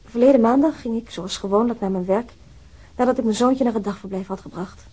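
Husky, fragile young widow. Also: female voice, a little high, fairly quick, mellow. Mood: troubled, formal. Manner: formal, earnest account. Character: nervous, fragile widowed young working mother. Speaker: actor. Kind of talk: radio drama, reading a letter.

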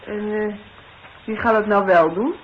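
Grown daughter, female actor, mid-pitched, sharp and protective, scolds and questions bluntly; hissy 1960s radio play sound. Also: unhurried, dull audio, close to an everyday voice. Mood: concerned, firm.

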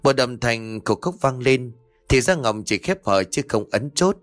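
A man narrating a ghost story in a steady, suspenseful storytelling voice. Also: mid-range voice, measured pace. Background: faint music.

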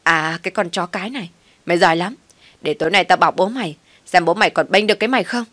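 Woman voicing a loud, nagging mother-in-law, low-pitched, dry sound. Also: fast talker, no echo. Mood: contemptuous. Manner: harsh, nagging, shouting insults. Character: shrill scolding older mother-in-law, bad-tempered.

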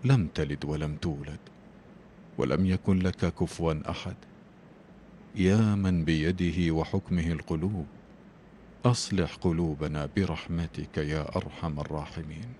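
A man presenting a prayer broadcast, announcing the call to prayer and then reciting a long supplication in a measured, rhythmic cadence. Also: a bass voice, steady tone, dark tone, a little hiss or hum.

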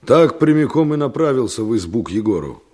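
A man's voice: mid-range voice, very animated, a little fast, warm tone. An actor playing a village son and informer who is wary of his father, in a radio drama. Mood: assured.

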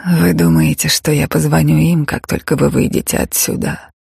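A man voicing a hushed, guarded East German woman. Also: a little high, level tone, normal speed, gravelly, breathy edge, no room sound, clean studio sound, full character voice. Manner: soft, hesitant, breaking off mid-sentence.

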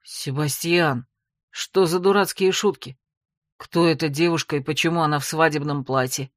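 A woman voicing a flustered, bewildered younger brother in a storybook reading, lowering her voice for him. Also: normal speed, no room sound, clean studio sound, close to an everyday voice. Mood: defensive. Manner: defensive, bewildered.

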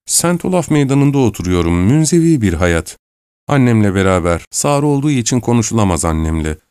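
Casting: shy young woman, guarded and polite, lifted higher, read by a man in an audiobook, dry studio sound. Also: very animated, fairly quick, a little mellow, clear, resonant tone, dry recording. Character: shy reserved young woman, night walker. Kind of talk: audiobook reading.

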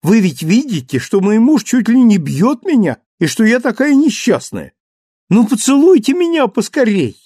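A man's voice: very high-pitched, normal speed, slightly rough, dry recording, clean studio sound, pitched above the performer's own voice, full character voice. A man voicing a playful, petulant young wife who coaxes and pouts. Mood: pouting, coaxing. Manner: coaxing, pouting, lively.

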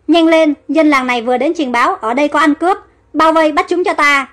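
A woman voicing a gruff male army captain who barks orders. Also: high voice, quick pace, fairly bright tone. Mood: commanding. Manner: barking orders.

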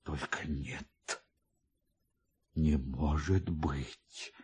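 A man voicing a proud, touchy, self-pitying official in a theatrical, drawn-out way, as in a dramatic literary reading. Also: a bass voice, steady tone, darkish tone, breathy edge, voice pushed down, exaggerated voice. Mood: anguished, incredulous. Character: proud touchy male collegiate assessor, self-pitying and distraught.

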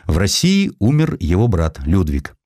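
A male audiobook narrator tells history in a dramatized, expressive way. His voice is very low, with a wide melodic range and deliberate phrasing. The sound is close and dry. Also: dry recording.

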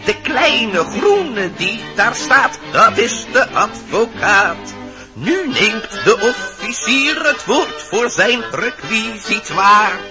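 A performer playing an eager forest animal witness, telling things in measured rhyme in a musical radio play. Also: medium pitch. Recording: dull radio recording with music.

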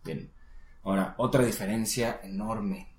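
A man giving a casual one-on-one English lesson, patiently coaching and modelling words slowly. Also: on the low side, steady tone, echoey room. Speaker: English teacher.

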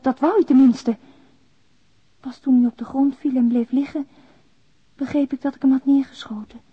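A woman's voice: high voice, natural voice. An actress playing an anxious, naive young mother who confides a confession by letter in a radio drama, intimate and hesitant. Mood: shaken. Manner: intimate, confiding, hesitant, lapsing into near-whispers. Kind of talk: radio drama monologue, letter read in voice-over. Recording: dull, roomy radio drama recording.

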